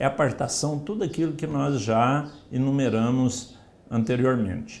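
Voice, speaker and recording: The speech has lively intonation and moves at a moderate pace. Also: man. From Brazil. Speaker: professor teaching cattle feedlot management; course instructor. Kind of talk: instructional tutorial. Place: office. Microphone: lapel.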